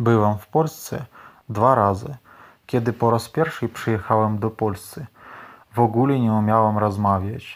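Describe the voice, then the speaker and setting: This man's medium-pitched delivery is fairly slow, with intonation that stays fairly even. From Ukraine, Donetsk region. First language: Ukrainian (speaking Polish). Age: 30s. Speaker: language learner. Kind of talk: recorded message.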